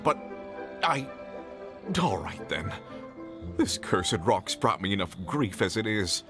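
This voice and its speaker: An actor playing a flustered, defeated jewelry merchant who stammers and falters, in an anime game. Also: male voice, fairly low pitch, expressive, slow pace, music in the background. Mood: flustered, resigned.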